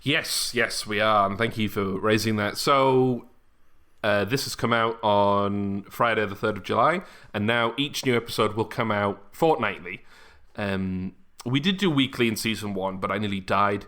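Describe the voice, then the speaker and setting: A man's voice: on the low side, normal speed, bright, forceful tone. A man chatting casually as a podcast host, bantering and poking fun at himself. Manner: bantering, self-deprecating. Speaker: podcast host and audio drama creator. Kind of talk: casual chat.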